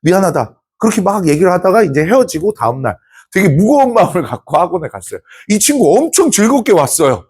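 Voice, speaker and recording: Male social studies teacher, 40s, chatty storyteller, fairly high and slightly raspy. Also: very animated, fast talker, few pauses, darkish tone. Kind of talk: lecture with personal anecdote.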